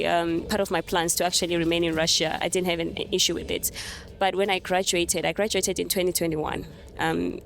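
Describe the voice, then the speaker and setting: A young woman from Zimbabwe, answering interview questions in a thoughtful, soft-spoken way and laughing lightly now and then. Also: on the low side, gravelly. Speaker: interview guest. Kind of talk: casual conversational interview. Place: on a moving train.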